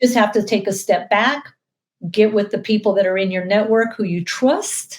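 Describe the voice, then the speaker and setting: A woman talks at a moderate pace with ordinary pitch variation. She has an ordinary speaking voice. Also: medium pitch for a woman. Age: 60s. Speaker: entrepreneur. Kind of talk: casual chat.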